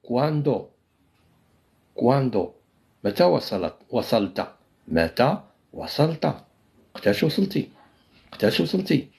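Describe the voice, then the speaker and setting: A man with a Moroccan Arabic accent teaching a live online Italian lesson. He repeats each word several times and drills phrases very slowly, and he is unwell and coughing. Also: mid-range voice, sing-song, gravelly, a little mellow.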